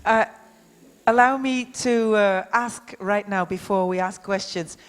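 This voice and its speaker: Female debate moderator, mid-pitched, polite and halting, long hall reverb around the voice. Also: clean tone. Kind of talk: spontaneous live moderating.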